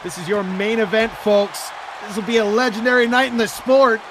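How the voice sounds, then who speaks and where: High-voiced male wrestling commentator, excitable. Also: normal speed, noisy background. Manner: excitable, dramatic exclamations. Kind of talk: live wrestling play-by-play commentary.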